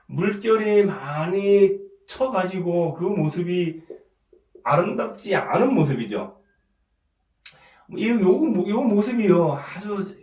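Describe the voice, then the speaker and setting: A middle-aged man with a cold and a sore throat, giving an informal lecture. He keeps asking "right?", clears his throat often and restarts his sentences. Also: a little high, a little mellow, recorded from a distance. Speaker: saju fortune-telling teacher. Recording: echoey room, voice set back from the mic.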